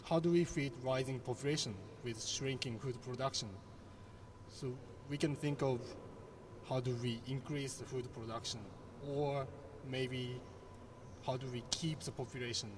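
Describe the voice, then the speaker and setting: A young man, moderating a panel with measured questions. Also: medium pitch, steady tone, background noise. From Japan.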